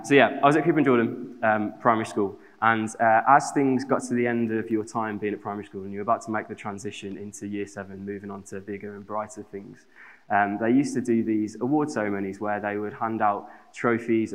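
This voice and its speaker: A young man with a Black Country accent from the West Midlands, reading scripture and then telling chatty, self-deprecating stories in a sermon. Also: on the low side. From West Midlands, England. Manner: chatty, self-deprecating humour with many fillers. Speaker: preacher. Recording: long hall reverb.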